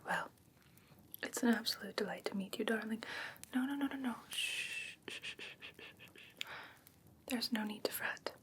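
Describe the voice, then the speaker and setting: A woman playing a whimsical, coaxing fae creature in a breathy ASMR whisper, sweetly condescending and soothing in a halting, doting way. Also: fairly high pitch, slight background noise, lightly acted. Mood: delighted, doting. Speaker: ASMR roleplay performer. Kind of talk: whispered ASMR fantasy roleplay.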